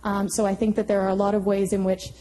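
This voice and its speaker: Mellow-voiced woman professor on a panel. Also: mid-range voice, little pitch movement, fast, slight background noise, rough recording. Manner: thoughtful, searching for words. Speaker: history professor, panel speaker. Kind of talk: prepared panel remarks to a university audience.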